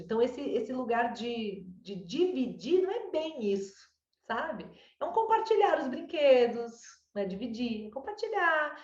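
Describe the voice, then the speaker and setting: A woman with a Brazilian Portuguese accent giving a parent advice, explaining patiently and checking in with "né?" and "sabe?". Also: medium pitch. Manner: warm explanatory, lots of "né?" and "sabe?". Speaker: child development consultant. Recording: roomy, distant, dull mic.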